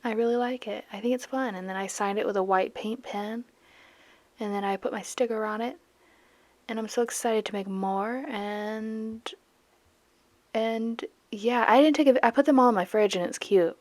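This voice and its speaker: A woman's voice: mid-range voice, normal speed, long pauses, darkish tone, dry recording. A young woman, chatting casually and dramatically in a voice-over while she paints. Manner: chatty, dramatic, self-mocking, bursts of laughter. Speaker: art vlogger.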